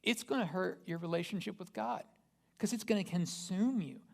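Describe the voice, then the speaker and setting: A man's voice: sits high, moderate pace, vocal fry, a little mellow. A man, a pastor, giving a conversational sermon and asking the congregation rhetorical questions. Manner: casual, asks the listeners rhetorical questions.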